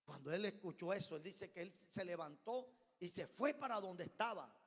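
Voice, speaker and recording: A man preaching a sermon as pastor, telling a story and building up to shouted exhortation, recorded in a church. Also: sits high, animated, moderate pace. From Colombia. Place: church hall. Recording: long church reverb.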